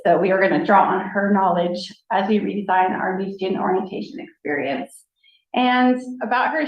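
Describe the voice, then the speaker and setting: A woman who directs a college advising office, presenting new staff at a board meeting in an upbeat, enthusiastic way. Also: fairly high pitch. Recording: echoey room, dull lo-fi sound.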